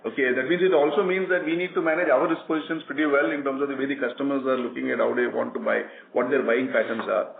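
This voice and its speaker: A man answering questions as a company executive on an earnings call, explaining in halting, repetitive phrases. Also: medium pitch, steady tone, gravelly. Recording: tinny phone line, roomy echo, faint noise.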